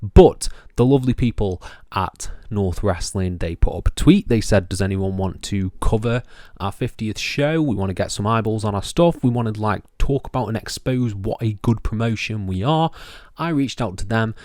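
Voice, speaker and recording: A man's voice: fairly low pitch, animated, normal speed, darkish tone, dry recording, studio quality. A young man from England with a Stoke-on-Trent accent, hosting a solo wrestling review and talking enthusiastically, doubling words for emphasis. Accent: Stoke-on-Trent English. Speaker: wrestling reviewer, channel host.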